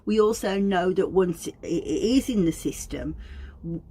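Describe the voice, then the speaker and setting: Woman, Wolverhampton Black Country accent, lowish voice, informal teaching host, chatty, self-deprecating. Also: unhurried, mellow, husky. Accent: Black Country English (Wolverhampton). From Wolverhampton, England. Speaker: aromatherapy educator and host. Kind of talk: informal educational talk to viewers.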